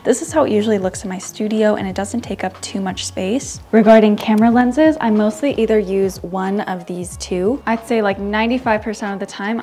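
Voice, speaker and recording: Soft-spoken young woman vlogging. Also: medium pitch, a little hiss or hum. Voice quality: quiet soft voice. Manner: chatty, enthusiastic about gear. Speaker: artist vlogger. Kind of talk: casual vlog talk to camera. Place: small plant-filled home art studio. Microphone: wireless lapel mic.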